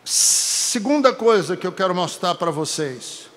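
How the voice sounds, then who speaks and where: A man from Brazil with a Brazilian Portuguese accent, preaching a sermon emphatically, building to forceful peaks and breaking into chatty asides to the congregation. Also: high-pitched, animated, unhurried, long reverb tail.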